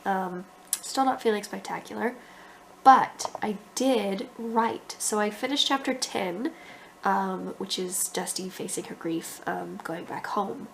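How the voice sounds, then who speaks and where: A young woman with a blocked-up, congested nose chats through her writing progress in a casual vlog, rambling and thinking aloud, filling pauses with ums. Her pitch sits in a middle range, and faint noise hums under the recording. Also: creaky, poor audio. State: stuffy, congested. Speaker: author vlogger.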